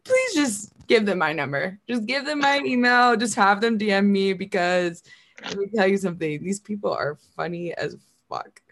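A woman's voice: mid-range voice, moderate pace. Laughing, chatty podcast host woman. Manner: animated, laughing easily, swears casually. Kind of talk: casual interview chat.

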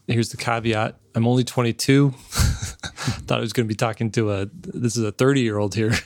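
A man's voice: fairly low pitch, no echo, clean studio sound. A man in his forties hosting a podcast, reading listener questions aloud in an easygoing way. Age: 40s. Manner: easygoing, laughs along. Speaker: podcast host.

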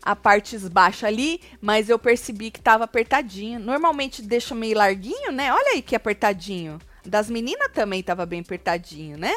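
A woman's voice: medium pitch, big pitch swings, normal speed, hardly any pauses, fairly bright tone, dry recording, faint music behind. A woman hosting a casual live chat about a reality show, gossiping bluntly, swearing freely and talking straight to her viewers. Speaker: reality show commentator reading viewer comments.

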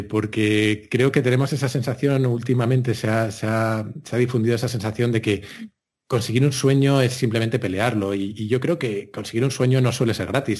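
A man hosting a podcast interview, asking reflective questions in a relaxed, chatty way. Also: medium pitch. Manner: reflective, thoughtful questions, laughs along. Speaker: podcast host. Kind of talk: casual interview chat.

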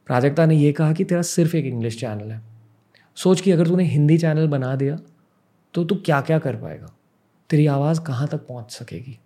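A man's voice: fairly high pitch, normal speed, dark tone. Earnest young man telling his story. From Mumbai, India. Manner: earnest, reflective, mixing English words into Hindi. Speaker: podcast host. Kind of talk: personal storytelling monologue.

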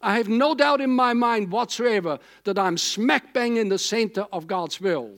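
This Austrian pastor in his sixties, a German speaker, has a high, slightly bright voice at normal speed. He preaches his sermon conversationally, rambling and repeating points for emphasis.

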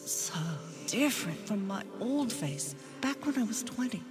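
A woman's wistful inner voice in a sci-fi radio play. She muses slowly in dreamy fragments, fairly high in pitch, with music clearly behind her. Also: lively intonation. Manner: slow, fragmentary musing. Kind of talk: audio drama acting.

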